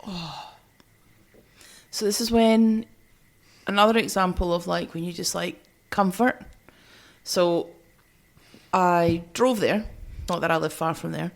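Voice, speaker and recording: A woman co-hosting a podcast, telling anecdotes casually in an effusive, expressive way. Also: fairly low pitch, slow, creaky, long pauses. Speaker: podcast co-host.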